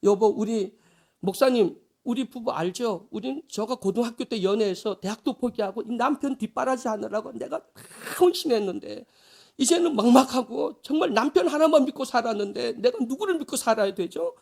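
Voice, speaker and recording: A man's voice: very high voice, lively intonation, fairly quick, creaky, darkish tone, pitched above the performer's own voice, exaggerated voice. A man voicing a distraught middle-aged wife who pleads tearfully with her pastor in a sermon anecdote. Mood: pleading.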